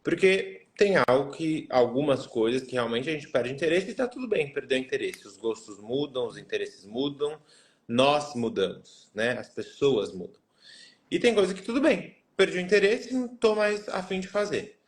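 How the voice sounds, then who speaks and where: Um homem com sotaque brasileiro responde a uma pergunta como treinador, explicando passo a passo com calma. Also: male voice, medium pitch. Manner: measured, explains step by step, often adds "né?". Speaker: trainer answering a question. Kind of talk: explanatory coaching talk.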